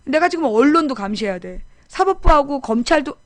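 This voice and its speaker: A woman's voice: sits high, expressive, brisk, no room sound. A middle-aged woman hosting her own political talk stream, speaking casually and emphatically and repeating phrases for effect. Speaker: political talk show host. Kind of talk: casual live-stream monologue.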